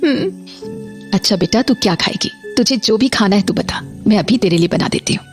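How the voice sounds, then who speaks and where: A woman's voice: mid-range voice, huge pitch swings, moderate pace, faint music behind. A woman voicing a middle-aged mother who is caring at home but cold and commanding toward her son, in a horror audio drama. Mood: tender. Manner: stern, cutting, commanding.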